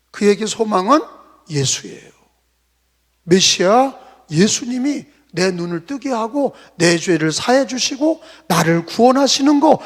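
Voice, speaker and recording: A male pastor preaching a sermon in a church, emphatic, firing off rhetorical questions and bursting out loud. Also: very high-pitched, creaky, breathy edge. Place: church sanctuary. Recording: long hall reverb.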